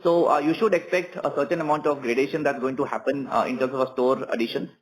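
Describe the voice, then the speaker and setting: A man with an Indian accent answering questions as a company executive on an earnings call, in measured corporate wording. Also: mid-range voice, steady tone, poor audio.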